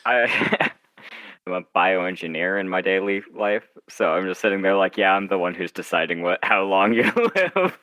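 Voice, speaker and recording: A man's voice: deep voice, expressive, normal speed, sharp tone, smooth, no echo, low-quality recording. A young man chatting casually as a podcast guest, in a jokey, self-deprecating way. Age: young adult. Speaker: podcast guest, horror writer. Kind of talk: casual chat.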